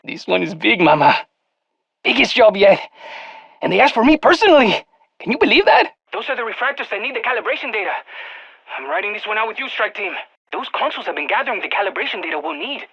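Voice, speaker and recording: An actor playing an excitable, nerdy male scientist with a Latino Spanish accent, wordy and theatrical, in video game radio lines. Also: high voice, fast, creaky, breathy edge, dull audio, exaggerated voice. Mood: awed, proud. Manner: theatrical, wordy, swinging between glee and exasperation. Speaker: mission scientist giving radio briefings.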